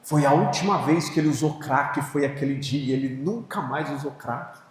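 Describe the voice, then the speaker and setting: Brazilian male pastor, high voice, impassioned sermon swinging up to shouted prayer; echoey church hall. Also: normal speed. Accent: Brazilian Portuguese. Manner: tells a personal story, rising to shouted prayer.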